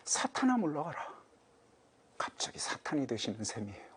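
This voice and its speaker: A man in his fifties, a Catholic priest, giving a lecture-style sermon and acting out quoted voices, moving from loud urging to hushed, low lines. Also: moderate pace, slight background noise. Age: 50s. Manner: animated, voicing Jesus and Peter in quotes, swings between loud and hushed.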